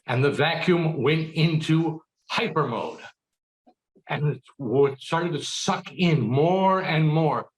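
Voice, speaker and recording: A middle-aged American man gives a theatrical comic speech in a mock-earnest, dramatic way with pauses, over a video call. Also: fairly high pitch. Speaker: speech contest speaker. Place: book-lined room at home. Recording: roomy, echoing video call.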